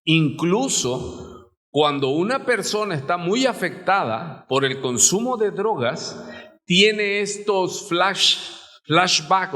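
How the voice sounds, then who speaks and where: A man with a Mexican accent, a pastor, preaches an animated sermon to his congregation, acting out quoted voices and putting questions to the listeners. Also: high-pitched. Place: church sanctuary. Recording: live recording in a reverberant church.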